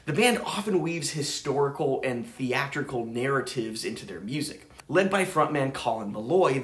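A man's voice: mid-range voice, fairly bright tone. Upbeat man vlogging in a roomy space. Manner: enthusiastic, chatty. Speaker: vinyl channel host. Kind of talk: casual travel vlog narration. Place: room with record shelves.

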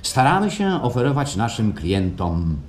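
An actor playing a suave, assured institute president in a radio play, courteous, salesmanlike and smoothly insistent, with a theatrical delivery. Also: male voice, mid-range voice, very animated, a little slow. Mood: smooth, persuasive. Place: performed live at a radio theatre festival. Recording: live stage radio play, faint noise.

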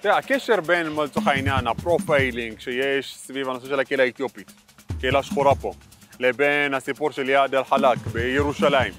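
A man giving a measured, explanatory interview. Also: mid-range voice, fairly bright tone. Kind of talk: interview talk. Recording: music bed underneath.

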